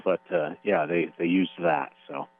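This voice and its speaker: A man, a concert promoter guesting on a radio show, speaking in an earnest, measured way. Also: low voice, level tone. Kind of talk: casual radio interview. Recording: tinny phone-like radio audio with hum.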